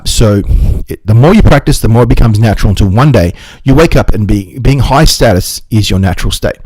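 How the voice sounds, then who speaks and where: A man's voice: medium pitch, a little mellow, no room sound, poor audio. A man hosting a book review channel, talking to the camera in an earnest way and often restarting his sentences. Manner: quick and earnest, with frequent restarts. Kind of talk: casual talk to camera.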